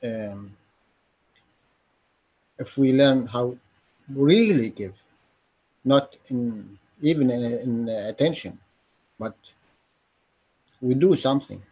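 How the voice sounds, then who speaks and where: Slow, husky man speaking earnestly. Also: mid-range voice, mellow. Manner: slow, earnest, broken phrasing. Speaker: panelist. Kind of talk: online panel discussion. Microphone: video call.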